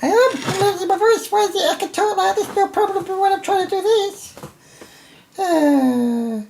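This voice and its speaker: A man voicing a small male puppet character with a squeaky, strained voice, fretting that he is losing his voice. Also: moderate pace, creaky, a little mellow, a little hiss or hum. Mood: fretful. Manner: fretful, complains about losing his voice. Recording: roomy echo.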